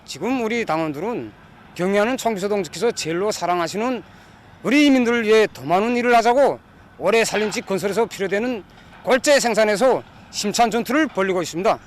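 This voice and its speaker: A man's voice: high voice, fast, a little hiss or hum. A man with a North Korean accent giving a fervent, declamatory rehearsed statement for television. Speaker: party cell secretary interviewee.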